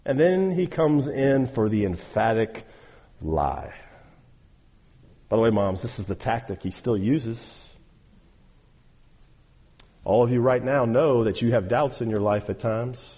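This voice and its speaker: A man's voice: mid-range voice, a little slow, pauses often, warm tone, slightly rough, long reverb tail. A man preaching a sermon, emphatic and exhorting, repeating phrases and speaking straight to his listeners. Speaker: pastor.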